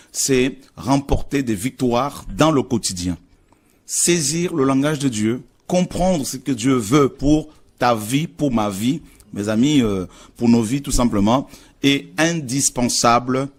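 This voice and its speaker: A man preaching a sermon as pastor, earnest and halting, with frequent fillers and restarts. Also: mid-range voice.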